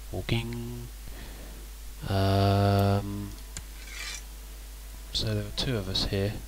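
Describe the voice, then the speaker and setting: A man talks at a very slow pace with long, frequent pauses against noticeable background noise. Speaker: let's play gamer. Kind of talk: casual gameplay commentary. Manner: loud, shouty at times.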